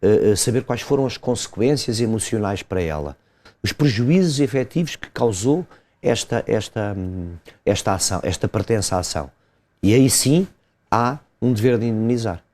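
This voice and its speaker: A man, a lawyer explaining a legal case step by step in an interview, pausing and hesitating often. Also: on the low side, expressive, a little mellow. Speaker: lawyer commenting as guest.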